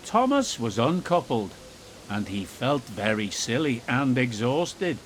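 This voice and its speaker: A man's voice: mid-range voice, very animated, slow, slight background noise. A man narrating a scripted children's story as its storyteller.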